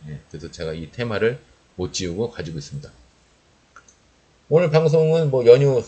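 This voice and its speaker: A man's voice is somewhat breathy. His pitch swings very widely. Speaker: stock market commentator. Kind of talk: market analysis broadcast. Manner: fast.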